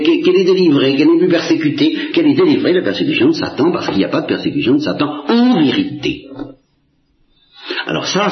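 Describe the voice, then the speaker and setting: A man giving a reflective religious talk, hesitating and repeating words while making emphatic appeals to his listeners. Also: on the low side. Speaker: spiritual lecturer answering questions. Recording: dull lo-fi archival recording in echoey room.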